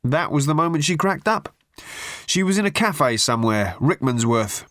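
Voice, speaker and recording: A man's voice: on the high side, sing-song, moderate pace, fairly bright tone, dry recording, clean studio sound, voice pushed up. A man reading aloud, voicing a brusque, dismissive brother who sounds fed up and impatient. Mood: offhand. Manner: blunt, impatient, exasperated.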